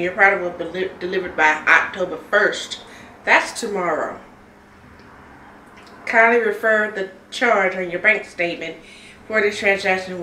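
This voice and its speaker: A woman's voice: mid-range voice, bright, forceful tone, slight background noise. Chatty woman vlogger in echoey room. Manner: chatty, storytelling, laughs often. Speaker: mukbang vlogger. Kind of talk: casual chat while eating.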